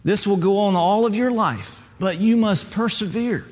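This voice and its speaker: A stern old male turkey mentor lectures earnestly, laying down rules in a preachy tone, as a man reading aloud puts him on. The voice sits slightly high and echoes with a long reverb, as if in a hall. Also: moderate pace. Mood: lecturing.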